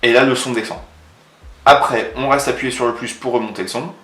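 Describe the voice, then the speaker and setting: A man's voice: mid-range voice, fairly even intonation, a little fast, fairly bright tone. A man from casually demonstrating a product as a vlogger, explaining it step by step in informal, colloquial language. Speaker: motovlogger reviewing a product. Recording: roomy echo, faint music underneath.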